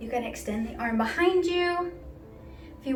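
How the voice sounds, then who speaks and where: A woman's calm tone with ordinary pitch variation, plus audible room echo and noticeable background noise. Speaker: yoga instructor. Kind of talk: guided yoga class. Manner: slow, calm.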